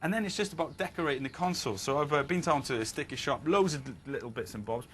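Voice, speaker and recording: A man's voice: a little high, fast talker, fairly bright tone, a little hiss or hum. Cheerful man showing a craft. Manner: cheerful, explaining step by step. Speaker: children's TV presenter. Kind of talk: crafting demonstration.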